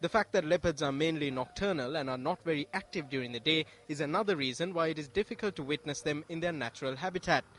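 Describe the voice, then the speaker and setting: A man's voice: fairly high pitch, fast, hardly any pauses, fairly bright tone. A man reading scripted nature documentary narration in a formal, descriptive storytelling way.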